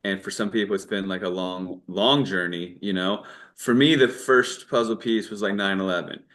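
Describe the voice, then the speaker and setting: Man, American accent, lowish voice, interview guest, casual, meandering, frequent false starts. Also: moderate pace, fairly bright tone. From Virginia, United States. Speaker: interview guest, documentary filmmaker. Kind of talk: casual chat.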